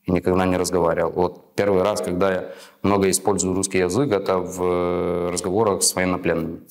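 Male interviewer, 30s, Ukrainian native speaker, very low pitch, probing questions with pauses, small office. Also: level tone, a little mellow.

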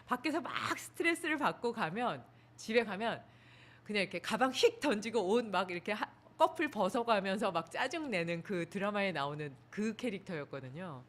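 Middle-aged woman, yoga teacher, lively storyteller; lilting voice, mimics quotes with bright pitch leaps. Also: moderate pace. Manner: animated, acts out quoted lines with big pitch jumps; laughs through her telling. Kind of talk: storytelling talk to an audience.

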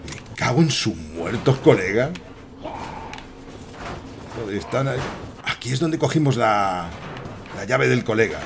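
Playing a horror game live, a streamer with a Spain Spanish accent curses frequently and erupts with excitement at enemies and his chat. His mid-range voice is gravelly and measured, broken by long pauses, over a noisy background.

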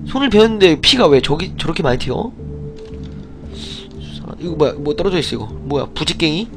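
Fast-talking man streaming a game. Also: on the high side, big pitch swings, over music. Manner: joking, muttering, fast running translation. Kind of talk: live gameplay commentary, translating dialogue.

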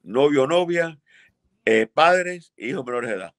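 With a fairly high, animated voice showing vocal fry, this older immigration lawyer fields viewer questions at a normal speed from a home office decorated with framed pictures. He's blunt and emphatic, repeating himself for emphasis, and the webcam audio is dry with no echo.

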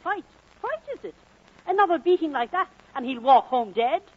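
A woman's voice: high voice, expressive, moderate pace, a little hiss or hum. A woman playing a feisty Welsh mother in a vintage film drama, scornful and lilting. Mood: indignant. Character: feisty, scolding Welsh mother and miner's wife. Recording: dull vintage film soundtrack.

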